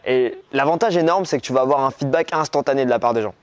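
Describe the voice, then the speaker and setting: Expressive young man from Morocco coaching. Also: medium pitch, dry recording. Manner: lively, expressive, speeds up and slows down for emphasis. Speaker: dating coach. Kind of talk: coaching video lesson.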